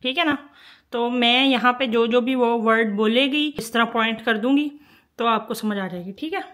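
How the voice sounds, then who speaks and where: A woman's voice: a little high, moderate pace, a bit bright. A woman teaching a language lesson, patiently explaining and repeating each sound several times while she writes. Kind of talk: spoken lesson.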